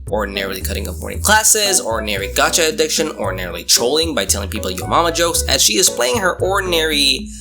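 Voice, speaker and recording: A man's voice: fairly high pitch, vocal fry. A man delivering comedic scripted commentary as a video reviewer, with an exaggerated, sarcastic, mock-exasperated manner. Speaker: manga review YouTuber.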